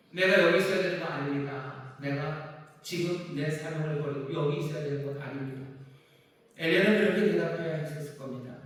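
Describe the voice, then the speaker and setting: A male pastor preaching a sermon earnestly, slowing on key words and rising for emphasis. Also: mid-range voice, slight background noise. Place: church sanctuary. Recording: echoey church hall from far off.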